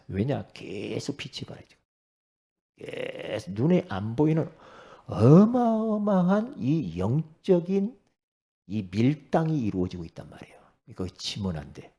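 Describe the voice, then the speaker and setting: A middle-aged male pastor preaching a sermon in a conversational way, swinging from loud bursts to hushed asides and often asking the congregation for assent. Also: fairly low pitch, very animated, moderate pace.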